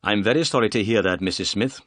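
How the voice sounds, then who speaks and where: A man reading as a brisk, polite detective. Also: fairly low pitch, fairly bright tone, dry recording, natural voice. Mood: calm. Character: calm, clever male detective.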